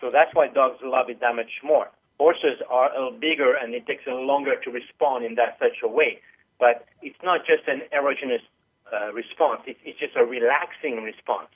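A man's voice: mid-range voice, brisk, husky. A man who teaches animal massage, patiently explaining on a radio call-in interview with many small hesitations. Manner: patient, explanatory, with frequent uh fillers. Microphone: phone call. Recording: tinny phone line.

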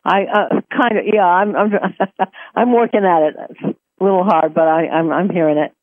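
A woman calling in to a group call, speaking in a hesitant, halting way. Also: fairly low pitch, steady tone. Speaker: caller. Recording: thin phone line, dry.

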